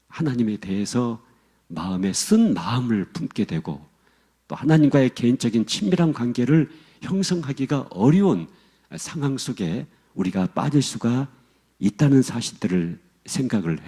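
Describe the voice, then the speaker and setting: A man's voice: mid-range voice, dark tone, husky. A male pastor preaching a sermon, telling a story with emphasis and speaking directly to the congregation.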